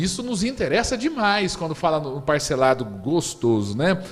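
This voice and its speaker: A man's fairly quick speech with very wide pitch swings over noticeable background noise. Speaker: radio news host. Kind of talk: radio interview. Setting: radio studio. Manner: fast.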